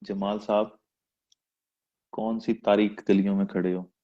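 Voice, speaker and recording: Chatty instructor on a dull call. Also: male voice, fairly low pitch, flat delivery, measured pace, warm tone. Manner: chatty, teasing, rhetorical. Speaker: freelancing instructor. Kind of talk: live online class lecture.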